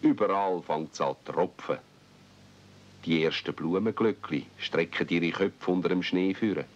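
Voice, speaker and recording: Male narrator, Swiss German, very low register, radio-play storytelling, slightly muffled vintage 1970s recording. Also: a little slow.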